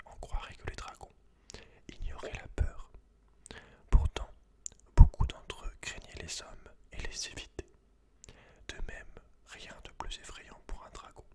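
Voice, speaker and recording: Guy doing asmr, breathy whisper the whole time, reads from a book and talks to you like a friend. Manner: informal, addresses the listener directly as a friend. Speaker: ASMR video host. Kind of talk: ASMR, whispered reading aloud and casual commentary on a book.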